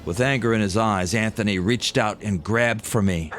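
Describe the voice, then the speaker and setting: A man telling a scripted first-person story as narrator, with deliberate, dramatic phrasing. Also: lowish voice, over loud music.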